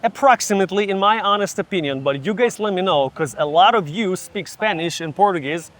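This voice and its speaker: A man from Ukraine, chatting casually and explaining things slowly while he walks outdoors, laughing often. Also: sits high, a bit bright. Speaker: vlogger and English tutor. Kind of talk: casual chat while walking. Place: outdoors in a city street.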